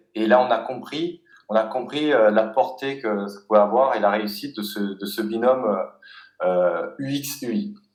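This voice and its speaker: A man with a southern French accent speaks at a medium pitch and a fairly slow pace. His pitch varies in an ordinary way. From southern France, Aix-Marseille area. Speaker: freelance UI designer. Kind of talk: podcast interview. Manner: hesitant, many fillers.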